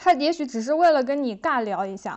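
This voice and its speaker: A woman talks fairly quickly in a high voice with lively intonation. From Jiangsu. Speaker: journalist. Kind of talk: casual chat.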